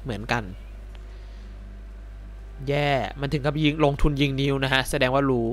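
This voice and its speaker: A male game streamer doing casual let's-play commentary, excitable and swearing as he reacts. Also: medium pitch, normal speed.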